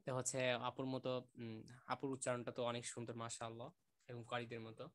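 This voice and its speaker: A man teaching an online class, gently praising students and repeating sounds to demonstrate them. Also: mid-range voice, level tone, fast.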